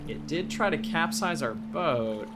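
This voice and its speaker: Lively, friendly young islander, lighter-voiced. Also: male voice, fairly high pitch, a little slow, over loud music. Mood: easygoing, friendly. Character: friendly, easygoing young islander man offering help to strangers. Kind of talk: naturalistic audio drama acting.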